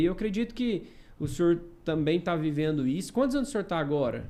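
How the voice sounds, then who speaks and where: Speaking in a normal speaking voice, a man has a fairly high pitch. His pitch variation is ordinary. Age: 30s. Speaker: podcast host. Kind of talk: casual chat.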